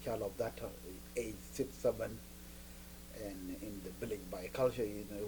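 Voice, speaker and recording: A man from Sudan speaks English, his voice set somewhat low. He tells his story plainly and simply, often with "you know," while a clear electrical hum runs beneath the recording. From South Sudan. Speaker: refugee interviewee. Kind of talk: recorded interview testimony.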